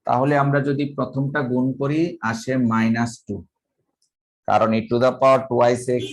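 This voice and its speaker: A man from Bangladesh lecturing on math, talking slowly and methodically and dictating each formula step by step. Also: medium pitch, gravelly, rough recording.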